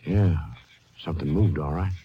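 An actor playing an easygoing, wry western sheriff in a 1950s radio drama, with folksy remarks. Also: male voice, low voice, moderate pace, natural voice. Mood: wary. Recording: noisy, dull vintage radio recording.

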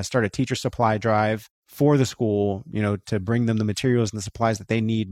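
Low-voiced man telling his story casually. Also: no room sound, clean studio sound. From Florida, USA. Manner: relaxed, frequent "you know" and "right?". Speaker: guest, co-founder of a voting rights group.

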